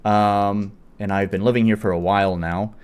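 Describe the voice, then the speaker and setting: A man's voice: on the low side, fairly even intonation, normal speed, a little mellow, clean tone. A man with an American accent, chatting casually as the host and interviewer on a livestream. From United States.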